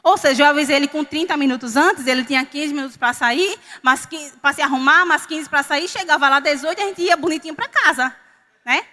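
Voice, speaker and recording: A woman from Northeastern Brazil preaching a sermon, telling a personal story with lively quoted dialogue. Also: high-pitched, fairly quick. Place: church hall. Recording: reverberant church hall.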